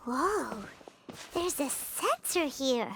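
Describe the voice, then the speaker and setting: A woman voicing a tiny, childlike, curious and excitable companion creature in a video game, with a squeaky voice. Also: extremely slow, noisy background, full character voice. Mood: curious, doubtful. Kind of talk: cartoonish game voice acting. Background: game music.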